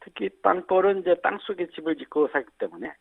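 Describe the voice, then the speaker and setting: A man's voice: high voice, fast, vocal fry, husky, no room sound. Man on a tinny phone line. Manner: explanatory, steady, frequent fillers. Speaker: agricultural agency team leader. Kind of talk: phone interview on radio. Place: on a phone call.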